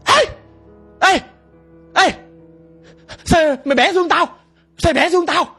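A man's voice: very high voice, animated, moderate pace, fairly bright tone, husky, faint music behind, heavily acted. A man voicing a vengeful female water demon, snarling and accusing. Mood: outraged.

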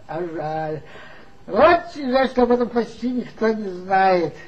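A man's voice: high-pitched, lively intonation, a little slow, muffled recording. An actor playing a tipsy former magazine worker who mockingly gossips about his old boss in a 1960s radio play. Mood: gossipy. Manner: gossipy, mocking, confiding storyteller.

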